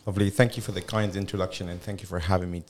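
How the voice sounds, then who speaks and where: A man's voice: low-pitched, little pitch movement, very fast, slight background noise. A middle-aged man from Belgium and Syria, a gynecologist guest on a podcast, speaking with many restarts and fillers. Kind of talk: podcast interview.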